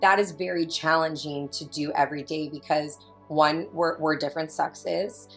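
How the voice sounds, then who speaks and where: A woman's voice: sits low, normal speed, faint music behind. A woman in her thirties, a mother and podcast guest, talking candidly in casual chat and acting out quoted lines as she tells stories. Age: 30s. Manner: candid, animated storytelling with quoted asides.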